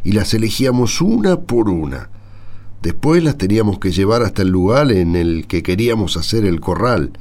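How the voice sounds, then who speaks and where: Older rural Argentine grandfather played by a male actor, low voice, folksy and patient, reminiscing in a radio play. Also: lively intonation, moderate pace, darkish tone, lightly acted. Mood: nostalgic. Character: patient old grandfather reminiscing about his rural homeland. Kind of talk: radio drama dialogue.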